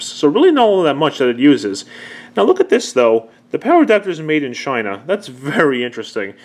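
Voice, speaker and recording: Man giving a casual demonstration. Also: medium pitch. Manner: conversational, explanatory, step-by-step. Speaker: presenter demonstrating an old answering machine. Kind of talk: casual unscripted product demonstration.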